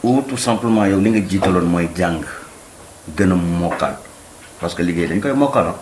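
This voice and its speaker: Low-voiced male host, steering an interview, echoey room. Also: expressive, moderate pace, a little mellow. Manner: guiding questions, mixing French and Wolof. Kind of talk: casual interview chat. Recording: echoey room with faint noise.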